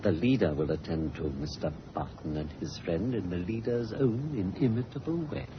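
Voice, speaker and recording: A man's voice: low-pitched, animated, normal speed. An actor playing a cold, sinister male criminal known as the professor, who talks in a curt, menacing, commanding way. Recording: dull old radio recording with clear hiss.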